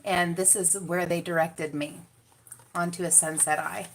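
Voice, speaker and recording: A woman's voice: lowish voice, fairly even intonation, measured pace, slight background noise. A woman chatting casually with her viewers on a makeup livestream, talking straight to them. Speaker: beauty livestream host. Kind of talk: casual livestream chat while doing makeup.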